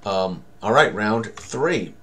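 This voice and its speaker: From a small indoor room, an older man at his computer runs through a tabletop game tutorial, narrating rolls and tallies in short, thinking-aloud remarks. His voice is on the low side yet bright and forceful, and he speaks slowly and animatedly.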